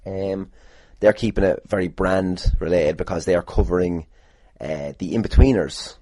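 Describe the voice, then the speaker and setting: Male podcaster, low-pitched, mellow, casual, rambling, sweary. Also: moderate pace, dry recording. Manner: rambling, sweary, jokingly boastful. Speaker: podcast host and wrestler. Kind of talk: casual solo podcast chat answering listener questions.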